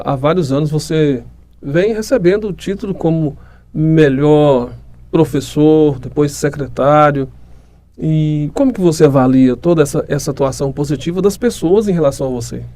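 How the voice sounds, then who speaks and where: A man's voice: on the high side, moderate pace, warm tone. A man with a Goiás Brazilian accent hosting a podcast, upbeat and complimentary, asking questions and speaking to the audience. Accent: Brazilian Portuguese, Goiás. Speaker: podcast host.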